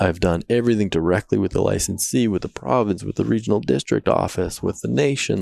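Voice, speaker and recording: With a Canadian accent, a man talks at a fairly quick pace in a fairly low pitch with vocal fry and lively intonation, the sound dry and close with no echo. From British Columbia coast, Canada. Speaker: environmental campaigner. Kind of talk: casual interview. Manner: articulate.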